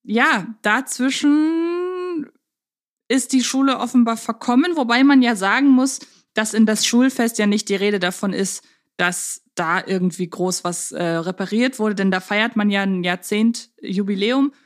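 A woman co-hosting a podcast in a casual conversational style, talking in a measured, reflective way as she thinks her points through. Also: medium pitch. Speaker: podcast co-host.

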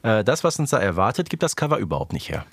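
A man's voice: on the low side, big pitch swings, quick pace, fairly bright tone, husky, no room sound. A man co-hosting a fan podcast in casual chat, explaining details. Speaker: podcast host.

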